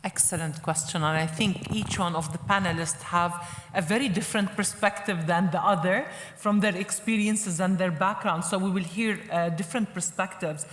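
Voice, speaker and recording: Low-voiced woman moderating a panel. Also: fairly even intonation, moderate pace, reverberant, long reverb tail, a little hiss or hum. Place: conference hall.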